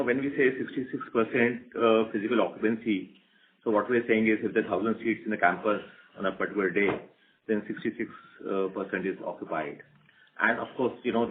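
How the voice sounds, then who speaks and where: A man explaining figures as a company executive on a conference call. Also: lowish voice. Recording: phone line, faint noise.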